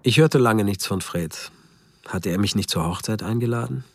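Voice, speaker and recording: An actor playing a regretful friend, narrating a radio drama in a sober, reflective, husky voice. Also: male voice, on the low side, moderate pace, dry recording, clean studio sound. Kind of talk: scripted first-person radio drama narration.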